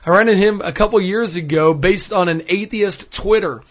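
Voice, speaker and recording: A man's voice: high voice, fairly quick. Upbeat American man in his thirties. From United States. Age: 30s. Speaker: guest speaker. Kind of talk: studio radio conversation. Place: studio. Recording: dull lo-fi studio sound.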